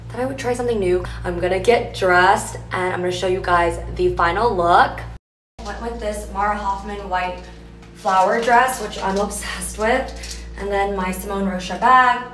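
A young woman talks to a camera close by in a quiet room, in a friendly vlog style with plenty of "like" fillers. Her voice is worn and a little hoarse after days of talking. Her pitch sits in an ordinary middle range, with a faint hum behind her. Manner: chatty, upbeat, frequent "like" fillers. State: hoarse, voice partly lost. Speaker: lifestyle vlogger. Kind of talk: casual vlog chat to camera. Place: hotel room and home bedroom, indoors. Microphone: camera facing her at arm's length.

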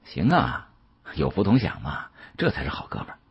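A cocky young heir, voiced by a male audiobook reader, talking like a chummy buddy. The voice is low and husky, on a slightly dull recording. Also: huge pitch swings, normal speed, exaggerated voice. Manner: casual, buddy-like.

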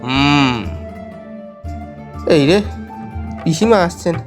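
Audio drama lead, male actor: self-important young ringleader with lofty ideals, declaiming, quick to exasperation, over background music. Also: a little high, animated. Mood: determined, uneasy. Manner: declamatory, bombastic, easily exasperated. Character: bossy, grandiose young male gang leader turned do-gooder. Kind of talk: theatrical audio drama acting. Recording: music behind the voice.

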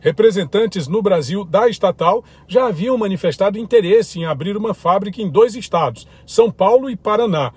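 A man's voice: high voice, lively intonation, moderate pace, hardly any pauses, breathy edge. A man from Brazil reading out opinionated news commentary in a firm, critical tone. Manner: reads out items in a firm, critical tone.

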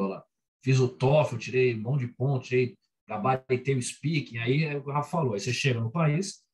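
Fast-talking Brazilian man, animated storyteller. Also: mid-range voice. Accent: Brazilian Portuguese. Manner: animated, quick storytelling with acted-out quotes. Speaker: guest doctor working abroad. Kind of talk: casual chat.

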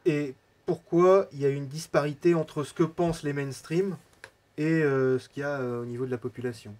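A radio show host moderating a studio discussion, reading out prompts haltingly with fillers. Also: mid-range voice, steady tone, darkish tone. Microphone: studio microphone.

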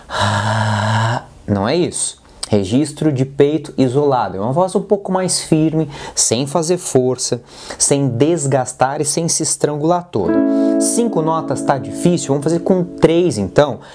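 A man's voice: fairly high pitch, expressive, moderate pace, mellow, soft background music. A man with a Brazilian Portuguese accent teaching a singing lesson, coaching in a direct, playful way and demonstrating sounds. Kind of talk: vocal lesson with exercises.

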